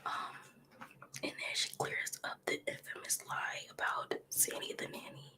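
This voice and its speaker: A woman, whispering her commentary on a livestream close to the mic, sniffling from a cold. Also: unhurried. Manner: soft whisper with frequent ums and likes. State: getting over a cold, sniffling. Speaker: ASMR livestream host. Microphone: close ASMR microphone.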